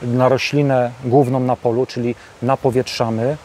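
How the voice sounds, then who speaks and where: A man hosting a casual interview outdoors in a farm field, talking in a halting way with many filler sounds. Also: mid-range voice, flat delivery, darkish tone. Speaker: host.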